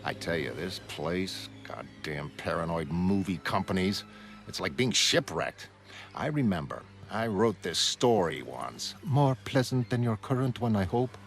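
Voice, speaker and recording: A man's voice: sits low, lively intonation, measured pace, creaky, voice pushed down, full character voice. A man voicing a weary, self-mocking older writer who rambles. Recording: music underneath.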